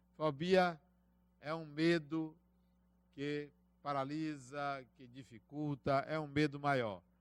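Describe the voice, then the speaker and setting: A man with a fairly high pitch talks at a very slow pace, with fairly even intonation, big swings in loudness and long, frequent pauses. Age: 60s. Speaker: spiritist lecturer. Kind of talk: lecture with announcements. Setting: auditorium with live audience. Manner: conversational, addresses audience directly.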